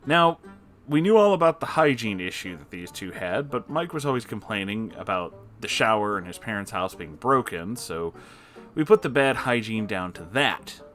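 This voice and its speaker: A man's voice: lowish voice, sing-song, moderate pace, fairly bright tone, faint music behind. A man reading an online post aloud, breaking off now and then with disgusted reactions. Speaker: story reader.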